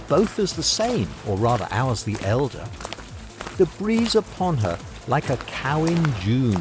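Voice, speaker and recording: An actor playing a bitter, outraged Roman soldier in a Shakespearean audio drama, declaiming with scorn. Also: male voice, medium pitch. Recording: music behind the voice.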